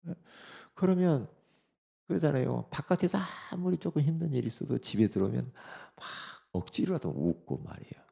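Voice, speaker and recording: A middle-aged man preaches to his congregation with a gravelly, dark tone. His pitch moves a great deal, and he shifts from quiet asides to loud, pressing exhortation. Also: a little fast. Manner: animated, swings between soft asides and loud exhortation. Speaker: pastor. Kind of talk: sermon.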